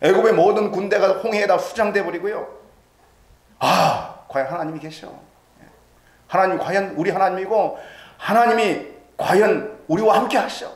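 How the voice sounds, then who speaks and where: Korean pastor preaching in an echoey church. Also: male voice, on the high side. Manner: dramatic preaching, voicing doubters' quoted lines. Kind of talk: sermon. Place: church sanctuary.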